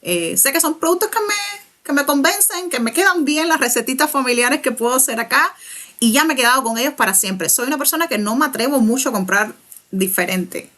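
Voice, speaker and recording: A young Cuban woman with a Cuban Spanish accent, a writer answering interview questions thoughtfully, pausing and restarting as she searches for words. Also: sits high, bright, forceful tone. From Cuba. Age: young adult. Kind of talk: reflective conversational interview.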